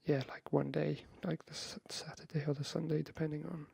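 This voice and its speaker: A man speaking softly and breathily, half whispering in a hesitant, friendly ASMR chat into a close microphone. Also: a little high, little pitch movement, a little fast, vocal fry, husky, no echo. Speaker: ASMR video creator. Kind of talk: soft-spoken ASMR, friendly chat roleplay.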